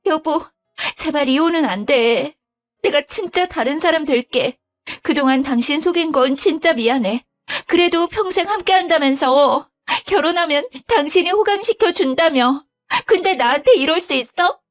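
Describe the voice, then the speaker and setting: A woman voicing a deceitful young wife who begs and stammers in a high, whiny voice in a dramatized story. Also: normal speed, natural voice. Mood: tearful pleading. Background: faint background music.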